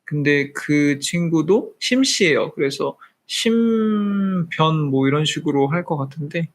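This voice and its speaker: 편하게 수다 떠는 약간 높은 목소리의 30세 남자. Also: male voice, on the high side. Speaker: live-stream host. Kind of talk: casual live-stream chat with viewers.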